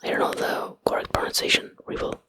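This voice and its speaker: A woman with a Spanish accent and native Spanish rambles casually in a breathy ASMR whisper, hesitantly searching for English words, close to the microphone. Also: fast, bright, forceful tone. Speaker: ASMR video host.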